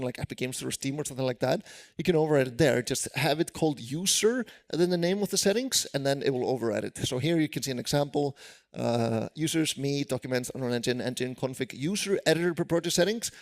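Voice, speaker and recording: A man with an Icelandic accent, a programmer presenting tips on stage at a conference in a casual, self-deprecating way with many fillers. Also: a little high. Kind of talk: live conference tech talk.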